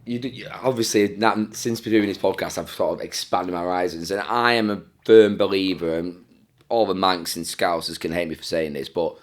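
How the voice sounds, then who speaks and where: Chatty guy hosting a podcast, lowish voice, friendly and matey. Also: fairly even intonation, moderate pace. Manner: friendly, matey, leading questions. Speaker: podcast host. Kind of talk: casual interview chat.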